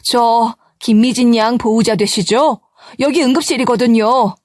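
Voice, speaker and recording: A woman's voice: on the high side, steady tone, a little slow, a little mellow, no room sound, clean studio sound, lightly acted. A woman narrator voicing a polite hospital caller delivering urgent news.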